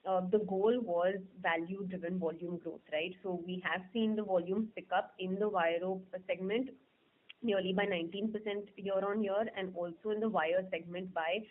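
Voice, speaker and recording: A man's voice: high-pitched, fairly even intonation, moderate pace. Hesitant male executive over phone line. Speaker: company executive answering questions. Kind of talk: unscripted formal business answer. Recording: narrow, muffled phone conference line.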